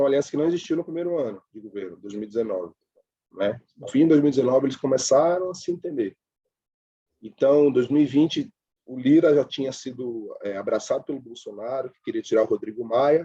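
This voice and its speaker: Lively intonation and big swings in loudness mark this fairly quick delivery. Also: man. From Recife, Pernambuco, Brazil. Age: young. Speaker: newspaper reporter. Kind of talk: interview. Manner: halting.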